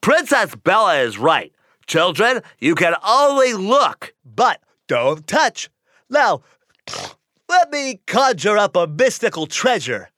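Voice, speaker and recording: A man's voice: high-pitched, very animated, slow pace, bright, forceful tone, dry recording, studio quality, full character voice. An actor playing a plump, jolly male museum curator with a red nose who giggles and sneezes, in a children's cartoon. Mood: chatty.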